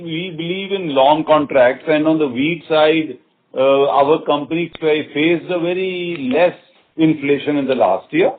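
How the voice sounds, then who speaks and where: On a conference call, a man with an Indian accent and a voice on the high side answers as a company executive during an earnings call. He speaks in a semi-formal business style, halting and repeating phrases, over a muffled conference phone line.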